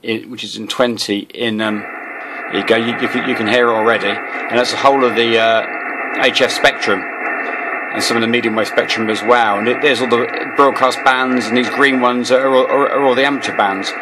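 A man's voice: mid-range voice, fairly even intonation, brisk, heavy background noise. Hesitant man giving a casual demo. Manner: hesitant, rambling, often repeating words. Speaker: video host, amateur radio hobbyist. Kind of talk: casual off-the-cuff product demonstration. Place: small indoor room at a desk. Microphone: handheld camera or phone.

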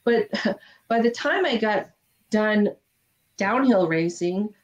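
A woman's voice: mid-range voice, lively intonation, takes it slowly. A middle-aged woman, a guest on a podcast, telling her story in an upbeat, earnest way over a video call from her home office. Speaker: guest, former ski racer. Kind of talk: interview conversation. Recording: dull video-call audio.

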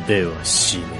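An actor playing a gloating, menacing villain in a fantasy radio drama, with a gravelly, taunting delivery. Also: male voice, deep voice. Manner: taunting, theatrical. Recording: loud music under the voice.

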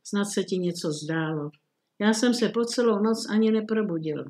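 A befuddled middle-aged minister mutters his way through the part, voiced by a woman reading aloud. The voice sits at an ordinary middle pitch, and he sounds puzzled and a little embarrassed. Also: a little mellow, roomy sound, close to an everyday voice. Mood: dismissive. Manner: muttering, bewildered. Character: flustered middle-aged male government minister.

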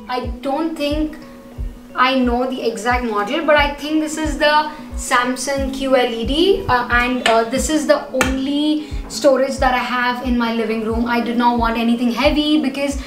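A woman's voice: high voice, roomy sound. A young woman vlogger giving a casual, enthusiastic tour of her living room to camera. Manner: enthusiastic, gesturing widely while walking around. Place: echoey indoor living room. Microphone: camera-mounted shotgun mic.

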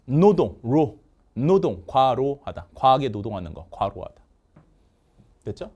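A man teaching English vocabulary in a lively lecture, drilling words call-and-response and joking with his producer. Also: medium pitch, a little slow, slightly rough. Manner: call-and-response drilling, asks "됐습니까?" often; jokes with the producer off camera.

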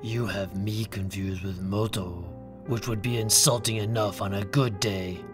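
A man's voice: fairly low pitch, fairly even intonation, measured pace, over music, natural voice. A man playing a proud, scornful young businessman in an audio drama, cold, curt and sarcastic.

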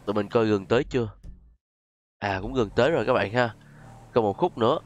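A man's voice: fairly low pitch, brisk, muffled recording. A man with a Southern Vietnamese accent doing casual game commentary as a channel host, chatting directly to his viewers. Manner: conversational, addresses viewers directly with frequent tag particles.

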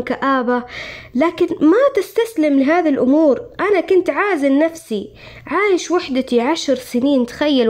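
A woman's voice: sits high, a little mellow. A woman with a Saudi accent telling a true story in the first person, in an emotional, earnest way.

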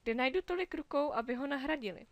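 A woman's voice: sits high, lively intonation, no echo, voice pushed up. A woman voicing a fussy, self-important male crab who composes for a royal court, speaking in anxious exclamations. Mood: fretful, proud.

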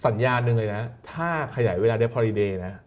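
A man's voice: fairly low pitch, fairly even intonation, darkish tone. A man hosting a podcast, relaying viewer questions and summing up the discussion. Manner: brisk, relays questions, wraps up. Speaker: podcast host.

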